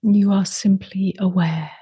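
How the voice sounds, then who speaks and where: A woman leading a guided meditation as a teacher, speaking softly in short unhurried phrases with long pauses, her voice gentle and breathy. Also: mid-range voice, fairly even intonation, no echo, clean studio sound.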